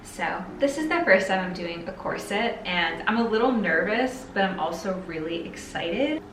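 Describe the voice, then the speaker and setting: This twentysomething sewing vlogger talks in a mid-range voice with lively intonation at a moderate pace, sounding bubbly, playful, and hyperbolic as she chats casually. Music plays behind her in a roomy, echoing space, with slight background noise.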